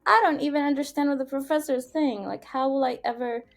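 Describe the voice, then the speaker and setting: A woman in her thirties, raised in Syria, speaking English in a fairly high voice. She tells her story earnestly and with feeling, often restarting her sentences and filling pauses. Soft music plays faintly behind her. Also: creaky. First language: Arabic. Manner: earnest, animated, many fillers and restarts. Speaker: podcast guest. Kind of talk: conversational interview storytelling.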